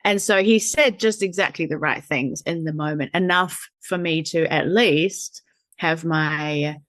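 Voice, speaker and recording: A woman's voice: deep voice, measured pace, a bit bright, no echo. A woman, a guest chatting casually, rambling and laughing, with lots of fillers and the odd swear. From New Zealand. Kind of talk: casual conversational interview.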